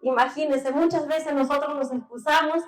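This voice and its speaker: A woman's voice: high voice, fairly even intonation, moderate pace. A young woman from Peru giving an earnest, tearful testimony to a congregation, calling them brothers. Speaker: church member giving testimony. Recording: echoey church hall.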